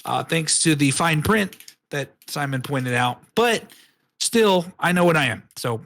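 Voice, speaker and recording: A man co-hosts a casual podcast, rambling and restarting his sentences as he makes his case. He swears freely, and his voice sits a little higher than most men's. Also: expressive, unhurried, gravelly, fairly bright tone. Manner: rambling, profane, restarts a lot. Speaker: podcast co-host. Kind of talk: casual chat.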